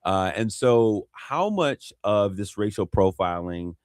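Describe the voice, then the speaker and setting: Male radio host, low-pitched and unhurried, filler-heavy, dead-dry studio read. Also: lively intonation, darkish tone, clear, resonant tone, no room sound. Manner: measured, frequent "uh" fillers. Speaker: radio talk show host. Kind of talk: interviewing a guest on race issues.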